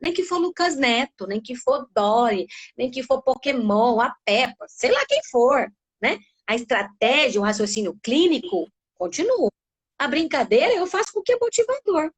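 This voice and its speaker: In a live webinar, a middle-aged woman from Brazil, a speech therapist, talks animatedly and voices sounds to illustrate them. She has a high voice with a breathy edge and speaks at a normal speed.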